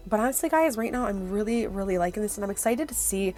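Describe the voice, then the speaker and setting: A woman's voice: medium pitch, lively intonation, quick pace, a little mellow, faint music behind. A woman beauty vlogger chatting casually to viewers through a product review, her voice worn from being sick.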